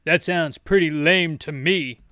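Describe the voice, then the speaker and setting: A man's voice: on the high side, unhurried, pushed and bright, dry recording, clean studio sound. A man voicing a blunt, skeptical action-game partner, reading the lines with scorn. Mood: skeptical, exasperated. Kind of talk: dramatic reading of video game dialogue.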